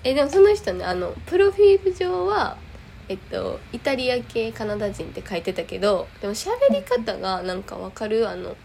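A woman with a Kansai accent tells a story on a casual podcast chat, swinging her voice high and low as she acts out what everyone said. She speaks at a middling pitch, with a faint hiss behind her. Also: fairly quick, vocal fry. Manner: animated storytelling, acts out quoted lines. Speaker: podcast co-host. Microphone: remote recording.

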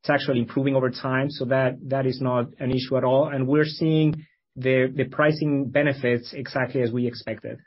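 A man's voice: medium pitch, level tone, moderate pace, slight background noise. Man on slightly muffled call audio. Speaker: company executive. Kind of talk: explanatory earnings call answer.

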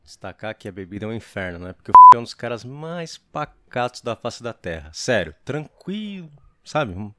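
A man's voice: mid-range voice, sing-song, normal speed, pushed and bright, slight background noise. A man guesting on a podcast, telling a rambling, slangy story in casual chat.

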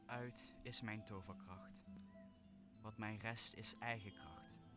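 A man playing a solemn, commanding exiled magician in a Shakespearean radio play, speaking in a measured way. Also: fairly low pitch, steady tone, over loud music. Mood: solemn farewell. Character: commanding exiled magician, stern yet forgiving master. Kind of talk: stage-like Shakespearean radio drama.

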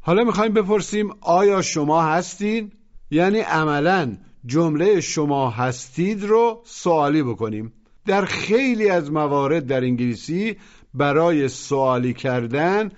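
A man teaching a language lesson, patiently prompting listeners to repeat after him. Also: on the high side. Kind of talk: instructional narration. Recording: muffled lo-fi audio.

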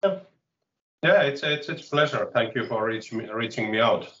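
A man in his late forties from Finland with a Finnish accent, chatting as an interview guest in a halting way, often restarting phrases, with wry self-mockery, heard over a video call. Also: medium pitch, animated, fairly bright tone, echoey room, distant mic, highs cut off. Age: late 40s. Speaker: interview guest, tech consultant. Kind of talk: casual interview chat.

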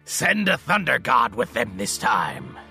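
A woman's voice: a bass voice, wildly swooping pitch, unhurried, vocal fry, over loud music, pitched below the performer's own voice, full character voice. A woman voicing a stern male emperor of heaven who gives brief orders. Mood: commanding.

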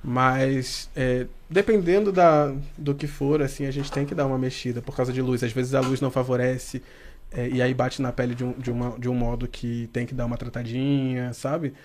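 A man in casual podcast chat about his photo shoots who often breaks into high laughter. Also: fairly even intonation, normal speed, darkish tone, a little hiss or hum. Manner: laughs often, giggling high when amused. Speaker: photographer for a men's magazine.

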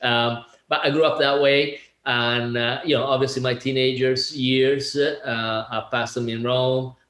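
Guy around 60, chatty and laughing, mid pitch, kinda echoey room. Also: level tone, a little slow, fairly bright tone. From Italy. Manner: chatty, laughing, many fillers and restarts. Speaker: guest, real estate agent. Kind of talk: casual interview talk.

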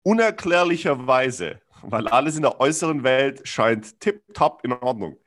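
A man's voice: mid-range voice, animated, normal speed. A man talking reflectively about his feelings in a conversation, searching for words with many fillers and restarts, earnest and frank, dropping blunt slang.

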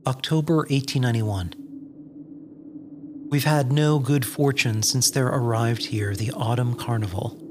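A man playing a wary, exasperated wasteland survivor in a dark comedy audio drama, terse and cautious, with music behind. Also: mid-range voice, background noise, natural voice. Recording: music under the voice.

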